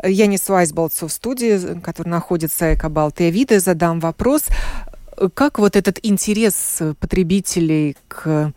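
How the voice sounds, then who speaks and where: A woman with a lowish voice hosts a radio interview in a dry studio. She asks direct questions and sums up what her guests say. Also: normal speed, mellow, no room sound. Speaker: radio host.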